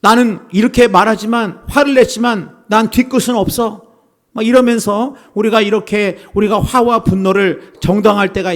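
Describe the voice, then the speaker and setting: A man as pastor giving a Sunday sermon, preaching earnestly and often turning to speak straight to his congregation. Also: high voice. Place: church service.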